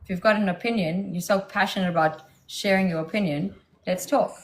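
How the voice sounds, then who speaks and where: A woman's voice: mid-range voice, fairly quick. A woman hosting a casual livestream, answering a caller with defiant, mocking comebacks. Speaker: livestream host.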